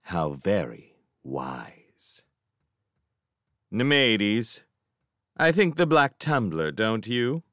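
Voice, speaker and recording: A man voicing a menacing, pompous, vindictive gentleman magician in an audiobook, with soft speech that can swell into indignation. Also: mid-range voice, sing-song, slow pace, no room sound, studio quality, voice pushed up. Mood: calm menace. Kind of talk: dramatic audiobook character reading.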